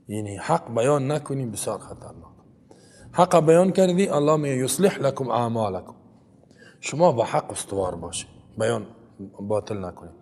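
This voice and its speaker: A man's voice: medium pitch, dark tone, long reverb tail. A man with an Afghan Dari accent giving a Quran commentary lesson, reciting Arabic verses and then explaining them in plain, chatty talk with rhetorical "right?" asides. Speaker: Quran teacher.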